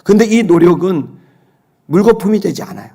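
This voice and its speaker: A middle-aged male pastor preaching a Sunday sermon, telling a personal story with loud exclaims and soft low asides. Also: big pitch swings, moderate pace, breathy edge.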